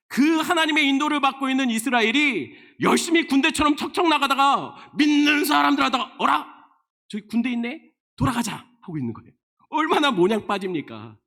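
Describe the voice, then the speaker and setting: A man who is a senior pastor, preaching a sermon emphatically with many rhetorical questions and frequent sudden drops to a low, quiet voice.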